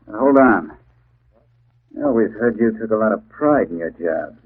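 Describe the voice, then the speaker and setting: An actor playing a tough, wary black-market racketeer with gruff gangster talk, in 1940s radio style. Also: male voice, lowish voice, lively intonation, normal speed. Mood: wary, grudging. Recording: noisy, tinny 1940s radio recording.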